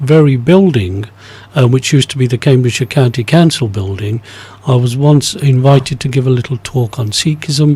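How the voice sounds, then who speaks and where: A man talks at a moderate pace in a dark, mellow tone, somewhat breathy, with ordinary pitch variation. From England, Birmingham and Manchester (born in Amritsar, India). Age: 60s. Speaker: interfaith council chair. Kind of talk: radio interview. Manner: hesitant, many repetitions.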